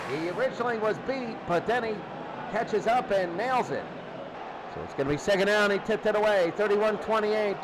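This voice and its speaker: A man calling football play by play on the radio in short running calls, repeating downs and scores. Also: sits high. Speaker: play-by-play sports announcer. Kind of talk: live American football radio commentary. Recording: loud crowd noise behind commentary. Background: noisy sports crowd.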